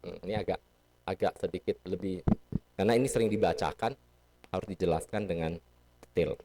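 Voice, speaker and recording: A man's voice: deep voice, brisk, dark tone, slight background noise. A man giving a casual Buddhist sermon in a temple hall, teaching playfully and asking the audience questions. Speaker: Buddhist dharma speaker.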